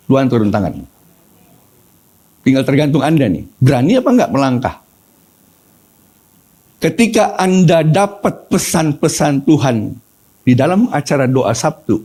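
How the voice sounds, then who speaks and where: A man's voice: a little high, mellow, husky. A middle-aged man preaching a sermon, telling personal stories and acting out quoted voices as he addresses the congregation. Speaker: pastor.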